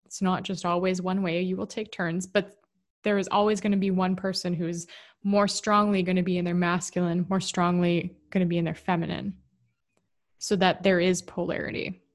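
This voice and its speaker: A woman's voice: lowish voice, level tone, normal speed. A woman giving a candid, rambling casual monologue about relationships, often restarting her sentences. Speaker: relationship and spirituality talker.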